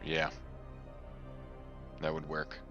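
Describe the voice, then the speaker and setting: A man's voice: very deep voice, completely flat delivery, very slow, music in the background. A man playing a tabletop game, casually discussing tactics over a slightly lo-fi microphone.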